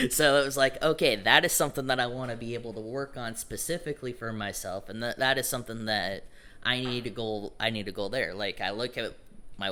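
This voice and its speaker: A man's voice: mid-range voice, sharp tone. A young man talking casually to a group, rambling and correcting himself, frank and a little profane. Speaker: meetup attendee introducing himself.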